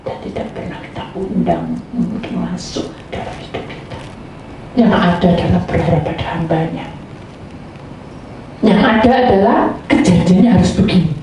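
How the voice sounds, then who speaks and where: A middle-aged woman pastor, giving a sermon in a lively preaching style and voicing the people she quotes. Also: on the low side, moderate pace, vocal fry, slight background noise. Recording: echoey room heard from far off.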